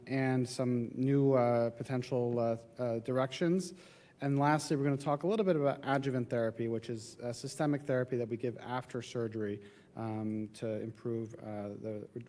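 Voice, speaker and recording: Brief: male oncologist speaker, nasal and stuffy from a cold, halting delivery with mid-range pitch. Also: mellow. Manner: halting, many filler sounds. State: getting over a cold. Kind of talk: conference presentation. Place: conference venue.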